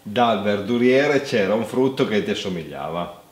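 A man's voice: lowish voice, animated, moderate pace. A man in his thirties, a guest chatting casually and playfully in a room at home. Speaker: guest in a lip-reading game. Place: home living room with staircase, indoors. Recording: echoey room with background noise.

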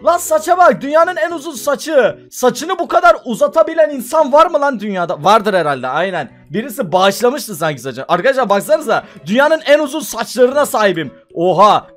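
A man giving casual, excitable let's-play commentary to his viewers, laughing often as he plays. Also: very high voice, brisk, hardly any pauses, faint music behind. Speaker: gaming video host.

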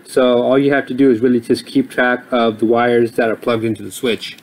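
A man's voice: medium pitch, level tone, brisk, low-quality recording. A man explaining a motor repair over his footage in a plain, explanatory way, with occasional fillers. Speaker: repair channel host.

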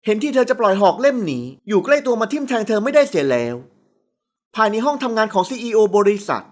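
Brief: woman narrator, lively expressive reading, slightly high voice, audiobook. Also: fast. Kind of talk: scripted narration.

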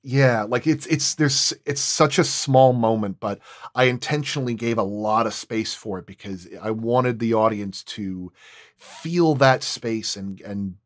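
A man's voice: on the low side, a little slow. A man who works as a sound designer, talking casually and in technical detail at a roundtable.

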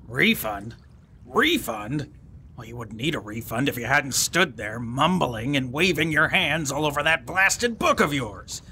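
Creaky, blustering young boatman. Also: mid-range voice, very animated, unhurried, pushed and bright, slight background noise, heavily acted. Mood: indignant, wounded. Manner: blustering, theatrical, folksy. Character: boastful, melodramatic young boatman and brawling tale-teller. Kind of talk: fantasy audio drama acting.

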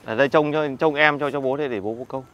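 A man's voice: medium pitch, rapid-fire, fairly bright tone, highs cut off. A man vlogging outdoors by a lake while fishing, talking to his viewers and warning his children to be careful. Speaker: vlogger and father. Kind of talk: casual outdoor vlog.

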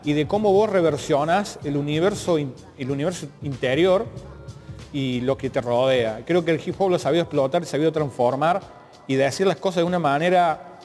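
A somewhat high-voiced man with a Cordobese Argentine accent conducts a reflective interview. He phrases things haltingly and thoughtfully, often doubling back on words. His voice rings in a big hall, with music underneath. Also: a little mellow. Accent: Cordobese Argentine Spanish. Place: large art gallery, indoors.

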